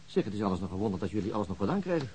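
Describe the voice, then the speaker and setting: A man's voice: fairly low pitch, sing-song, very fast, mellow, slight background noise. A man playing a dogged, dry-humoured police detective in a radio drama, laconic and musing. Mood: dry, probing.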